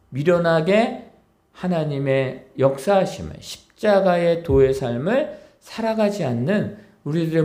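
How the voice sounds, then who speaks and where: High-voiced, animated preacher man. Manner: rhetorical questions to the congregation; emphatic, repeating key words. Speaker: pastor. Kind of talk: sermon.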